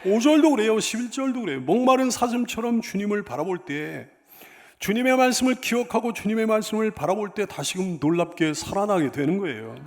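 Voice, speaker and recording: High-pitched, gravelly preaching pastor man. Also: lively intonation, brisk. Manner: impassioned preaching, rising into emphatic repeated cries. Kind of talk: sermon.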